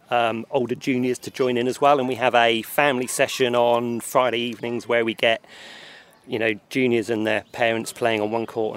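A man in a casual outdoor interview at a tennis club, speaking at an everyday middle pitch. He hesitates often, filling gaps with ums and sort-ofs. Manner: hesitant, filler-heavy.

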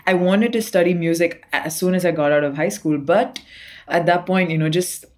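Young woman guest, low-pitched, chatty and laughing, casual remote interview. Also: fairly even intonation, moderate pace. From Dubai. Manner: chatty, laughs often, many fillers. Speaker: guest singer-songwriter.

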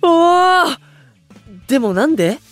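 A man voicing an energetic, excitable young male idol who talks in casual slang, in a voice drama. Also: extremely high pitch, slow, soft background music, exaggerated voice. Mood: excited. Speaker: young station-worker idol in a unit. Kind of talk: anime-style voice drama acting.

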